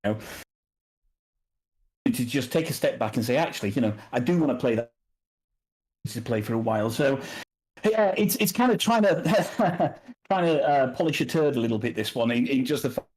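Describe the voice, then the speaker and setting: A man's voice: mid-range voice, animated, moderate pace, long pauses, darkish tone. A man chatting on a podcast panel over an online call whose audio keeps breaking up into glitches, in loose, rambling sentences. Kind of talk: casual chat.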